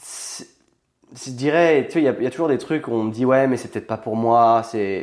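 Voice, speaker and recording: In an unremarkable speaking voice, a man talks at a moderate pace and medium pitch. The recording is very clean, with a silent background. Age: 30s. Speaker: fitness coach and entrepreneur. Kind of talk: casual interview. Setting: his apartment.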